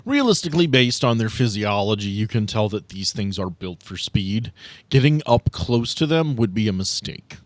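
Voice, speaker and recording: A man's voice: fairly low pitch, very animated, normal speed, dry recording. A man acting as game master, narrating a tabletop role-playing game in a casual, explanatory way. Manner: casual, explanatory, joking asides.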